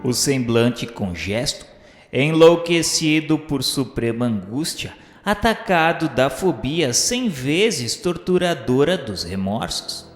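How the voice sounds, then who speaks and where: Radio novela narrator: man, mid-pitched, grave and theatrical, slow pacing, long reverb over music. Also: sing-song. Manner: solemn, literary, dramatic.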